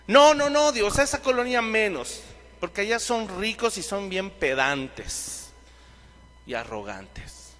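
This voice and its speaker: A sarcastic, complaining apostle, as a Mexican preacher puts him on, refusing places with a whiny, raised voice. The sound rings in a long reverberant hall. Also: male voice, high-pitched, expressive, slow, a bit bright, full character voice. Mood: whiny, mocking. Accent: Mexican Spanish. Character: reluctant apostle grumbling about which neighborhoods he'll visit.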